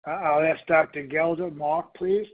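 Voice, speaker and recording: Higher-voiced businessman on a narrow phone line. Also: fairly even intonation, unhurried. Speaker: company chief executive on an earnings call. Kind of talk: scripted corporate presentation, then brief remarks.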